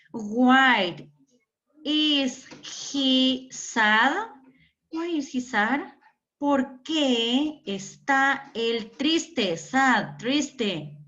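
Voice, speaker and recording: A woman's voice: fairly high pitch, expressive, slow, a bit bright. A woman English teacher giving a classroom lesson, patient, repeating words and quizzing her pupils. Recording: dull lo-fi recording.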